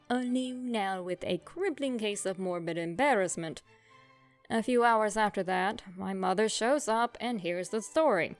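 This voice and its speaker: A young woman narrating a comic childhood story in a wry, self-mocking, expressive way. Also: medium pitch.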